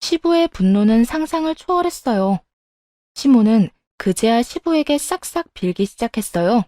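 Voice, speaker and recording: 차분한 여성 사연 낭독. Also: female voice, fairly high pitch, animated, moderate pace, mellow, dry recording, studio quality. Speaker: narrator of a true story. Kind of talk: scripted story narration.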